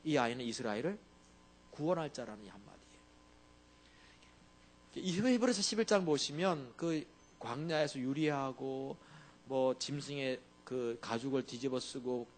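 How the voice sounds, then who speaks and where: A man's voice: mid-range voice, a little mellow. A male pastor preaching a sermon in a conversational way, often asking the congregation to agree with him.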